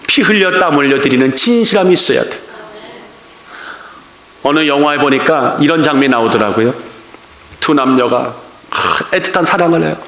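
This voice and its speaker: A male pastor preaching a lively sermon, acting out little scenes and laughing often. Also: fairly high pitch, normal speed, pauses often. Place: church sanctuary. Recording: echoey church hall.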